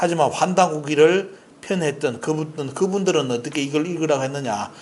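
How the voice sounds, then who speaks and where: A man at a fairly high pitch and moderate pace, with audible room echo and noticeable background noise. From South Korea, Hadong, South Gyeongsang. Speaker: history lecturer. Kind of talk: lecture.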